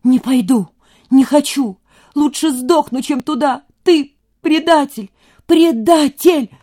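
A woman reading an audiobook, voicing a defiant teenage boy who shouts in a thin, breaking voice. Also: high voice, sing-song, moderate pace, pitched above the performer's own voice. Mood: hysterical. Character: hysterical defiant teenage boy, car thief.

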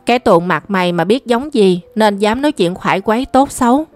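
A woman voicing a quick-tempered stepmother who scolds and curses. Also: mid-range voice, lively intonation, darkish tone, soft background music, natural voice. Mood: scolding. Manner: scolding, cursing.

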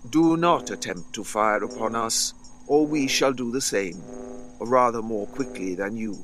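A man voicing a calm, formal alien creature who speaks through a small machine, slow and measured. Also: mid-range voice, faint music behind, voice pushed down, close to an everyday voice. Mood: warning.

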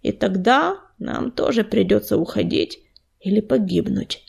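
A woman's voice: medium pitch, expressive, unhurried, creaky, darkish tone, husky, full character voice. A woman voicing a weary, plain-spoken loner tomcat living on a farm.

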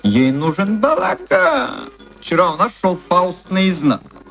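A woman voicing a naive, devoted young wife of a theatre manager, earnest and eager to agree, in a literary reading with a lively, wide-ranging delivery. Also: lowish voice, slow, vocal fry, faint music behind, pitched below the performer's own voice, full character voice.

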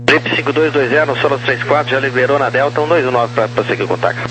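A man's voice: mid-range voice, quick pace, fairly bright tone. A man working as an air traffic controller, issuing clipped instructions over a crackly military-style radio. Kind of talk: clipped aviation radio phraseology. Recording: noisy humming aviation radio.

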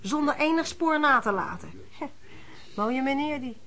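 Disapproving woman for radio play: slightly high pitch, sarcastic, muttered indignation. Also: expressive, normal speed, fairly bright tone. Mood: scornful. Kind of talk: Dutch radio drama acting.

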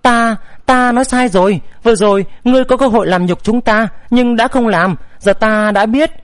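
A man voicing a weepy, halting young noblewoman in a historical storybook. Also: very high voice, no echo, pitched above the performer's own voice. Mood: tearful. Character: weepy young noblewoman, proud but remorseful.

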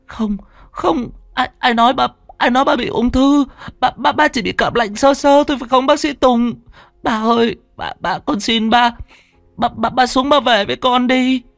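A man voicing a young boy who stammers in a high, tearful voice. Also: lively intonation, measured pace, darkish tone, dry recording, faint music behind. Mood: wailing. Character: frightened young boy, desperate for his dad.

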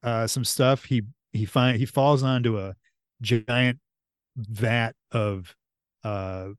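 A man's voice: medium pitch, slow, clear, resonant tone, no room sound. Enthusiastic male podcast host, dry sound. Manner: enthusiastic, rambling, animated retelling. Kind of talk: casual chat.

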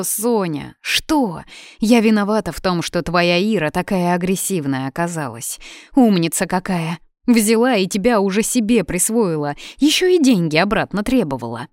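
A bold young redheaded student, cheeky and stubborn, put on by a woman reader. She fires back indignant retorts, her voice lifted higher and louder than the narration. The read sounds close and dry. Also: no echo, lightly acted. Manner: indignant, quick retorts, brightly raised voice. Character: feisty red-haired young woman student, cheeky and defiant. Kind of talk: audiobook character reading.

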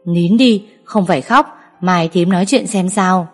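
A woman's voice: lowish voice, unhurried, faint music behind. A woman reading a story aloud, voicing an indignant middle-aged village aunt who scolds and comforts in exclamations. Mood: indignant, soothing.

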